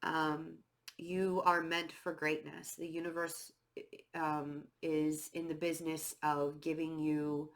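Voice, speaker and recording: A woman's voice: low-pitched, flat delivery, slow. A woman with a stuffy, slightly nasal voice giving a casual tarot reading to camera, chatty and full of fillers, nervous and fidgety. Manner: chatty, filler-heavy, with many "um" and "like"; self-described nervous and fidgety. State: stuffy nose from a cold. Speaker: tarot reader.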